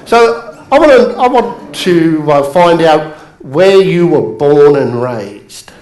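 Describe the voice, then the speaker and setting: An Australian man giving an energetic, jokey motivational seminar talk, addressing the crowd. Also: fairly high pitch, slow pace. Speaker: motivational speaker. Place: large seminar room. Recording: echoey room.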